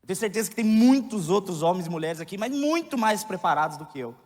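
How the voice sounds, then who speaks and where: Brief: male preacher, thirties, high-pitched voice, joking candid delivery, church hall with long reverb. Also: lively intonation, quick pace. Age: 30s. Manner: candid, joking, rising to loud emphatic outbursts. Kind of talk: sermon.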